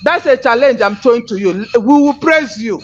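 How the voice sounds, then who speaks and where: A woman's voice: on the high side, animated, normal speed, faint music behind. A woman host, confronting a caller in heated call-in commentary and firing repeated questions. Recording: dull lo-fi, faint noise.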